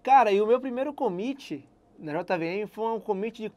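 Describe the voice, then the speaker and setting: A young man from Salvador with a Bahian accent, a guest telling his career story in relaxed casual chat and laughing at himself. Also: high voice, normal speed. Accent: Bahian Brazilian Portuguese. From Salvador, Brazil. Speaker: guest software engineer.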